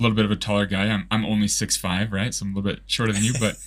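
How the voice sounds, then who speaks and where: A man's fairly low voice with an American accent, on a very clean recording with a silent background. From Utah. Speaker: podcast host, therapist. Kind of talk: interview.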